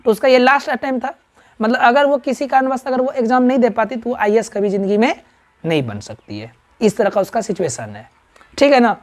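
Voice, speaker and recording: A man speaking a little fast in an extremely high, expressive voice teaches a class grammar with a Bihari Hindi accent. He bombards the students with questions, drills them in call-and-response, and checks on them constantly, asking "right?" again and again.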